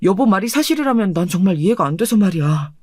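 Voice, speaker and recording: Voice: medium pitch, expressive, fast, a little mellow, no echo, clean studio sound, natural voice. A performer voicing an earnest, deferential husband in his thirties in a dramatized radio story.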